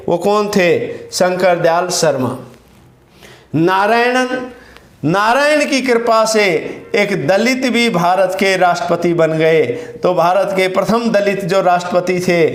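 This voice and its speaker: A man's voice: high-pitched, echoey room. A male teacher giving an exam-prep lecture, repeating key words and quizzing his students with memory tricks.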